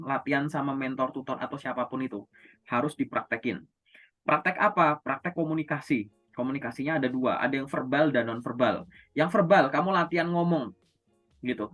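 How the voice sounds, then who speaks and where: A man's voice: on the high side, a bit bright. A man coaching job seekers in a casual, conversational way, asking and answering his own questions. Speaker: career coach.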